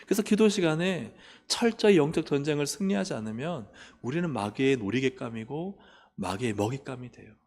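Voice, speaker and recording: A man's voice: medium pitch, lively intonation, fairly quick, darkish tone. A male pastor preaching a sermon. He keeps asking the congregation questions and acts out complaining prayers in a raised voice. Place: church sanctuary. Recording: long reverb of a church hall.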